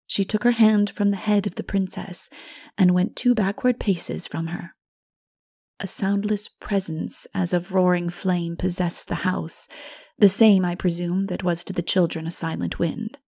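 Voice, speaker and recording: Hushed woman narrating dark fantasy. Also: fairly low pitch, creaky. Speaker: audiobook narrator.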